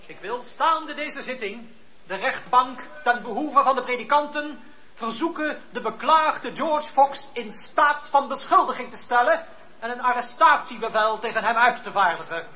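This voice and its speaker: A man's voice: very high-pitched, normal speed, sharp tone. An actor playing a hostile, indignant clergyman who prosecutes in court, formal and insistent, in a radio drama. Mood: insistent demand. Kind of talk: Dutch radio play acting. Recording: dull, lo-fi radio play recording.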